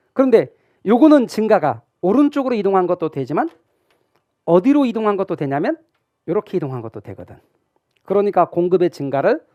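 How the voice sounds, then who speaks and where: A man's voice: sits high, a little mellow, dry recording, lo-fi sound. A middle-aged man giving a classroom lecture, asking his students questions and answering them himself. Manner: acts out imagined student questions. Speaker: real estate exam lecturer.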